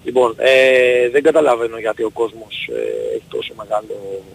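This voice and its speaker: A man in his forties with a gravelly, husky voice calls in to a radio show. He lays out his view in a measured, reasoned way, pausing on fillers as he goes. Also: medium pitch, lively intonation, rough recording. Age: 40s. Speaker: caller. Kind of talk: call-in opinion.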